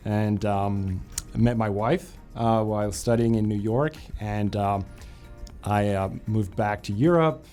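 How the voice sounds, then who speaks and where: A man's voice: on the low side, slow, dark tone, soft background music. A man in his forties from France, a financial advisor talking easily about his career, with frequent fillers and restarts. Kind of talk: company profile interview.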